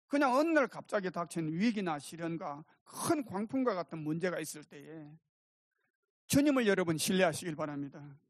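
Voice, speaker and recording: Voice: mid-range voice, no echo, studio quality. A pastor preaching a sermon emphatically, calling for amens and speaking directly to the congregation. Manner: emphatic preaching with calls for amen.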